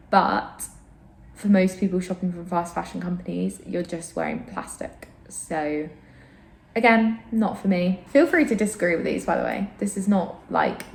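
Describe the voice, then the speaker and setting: A woman's voice: fairly low pitch, darkish tone. A woman vlogger with a slight sore throat chats casually to camera about her opinions, informal and self-deprecating. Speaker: vlogger and host. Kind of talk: casual fashion chat to camera. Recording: roomy echo, clear background noise.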